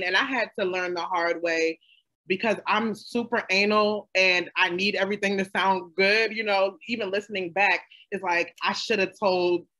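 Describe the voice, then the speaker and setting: A woman creator on a panel, speaking in an emphatic, colloquial way. Her voice sits at a middle pitch and breaks into lively, animated asides. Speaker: audio drama creator. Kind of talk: casual panel chat.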